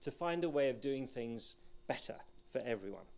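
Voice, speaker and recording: Ordinary pitch variation marks this man's speech, delivered with a British accent. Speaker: visiting professor, think tank researcher. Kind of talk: lecture.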